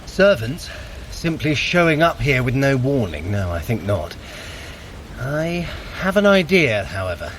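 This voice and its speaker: An actor playing a sly trickster god and sorcerer in an audio drama, with a dry, dramatic, articulate delivery. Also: male voice, mid-range voice, big pitch swings, a little slow. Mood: wry, musing. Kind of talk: scripted audio drama acting. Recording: clear background noise of ambient effects.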